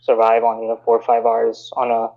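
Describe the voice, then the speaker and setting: Measured, even-toned man explaining finance. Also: mid-range voice, gravelly, muffled recording. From India, raised in Bahrain. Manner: measured, explanatory, with many "you know" fillers. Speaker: guest, investment banker. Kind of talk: podcast interview answers.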